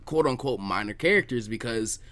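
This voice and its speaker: A man's voice: mid-range voice, animated, brisk, fairly bright tone. A man hosting a podcast in casual conversation, informal and repeating words for emphasis. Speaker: podcast host.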